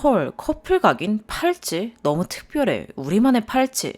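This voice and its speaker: A woman voicing an irritable young woman who scolds her boyfriend in a sharp, sarcastic tone. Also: lowish voice, sing-song, moderate pace, soft background music. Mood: mocking.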